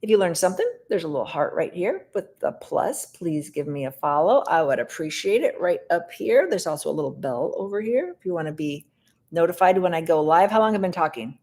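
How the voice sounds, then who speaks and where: A middle-aged woman hosting a casual live Q&A, answering viewer questions in a brisk, direct way. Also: lowish voice, animated, darkish tone.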